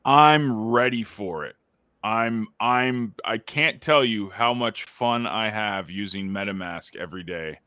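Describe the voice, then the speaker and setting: A man's voice: on the low side, slow pace, bright, forceful tone, clear, resonant tone, no echo, clean studio sound. A man co-hosting a podcast in casual, conversational chat. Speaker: podcast co-host.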